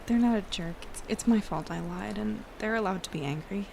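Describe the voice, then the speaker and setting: A woman playing an earnest, hesitant young woman who is a gentle, loyal friend in an audio drama. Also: mid-range voice, a little fast, creaky, slight background noise, natural voice. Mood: anxious, downcast.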